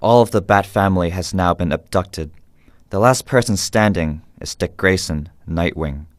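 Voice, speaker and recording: Man as a very deep, grave drama narrator. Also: moderate pace, dry recording, natural voice. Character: grave male narrator of a comic-book thriller. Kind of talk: scripted narration.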